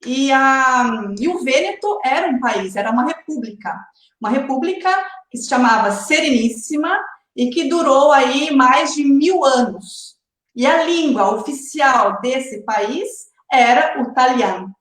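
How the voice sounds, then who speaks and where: A woman's voice: high-pitched, lively intonation, a little slow, fairly bright tone, roomy sound. A woman hosting a live online interview series, chatty and often adding tag questions. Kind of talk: casual live-stream hosting.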